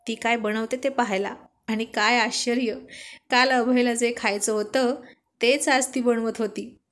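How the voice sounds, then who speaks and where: A woman narrates a romantic story in a calm, steady way. Her voice sits somewhat high for a woman. The pacing stays even.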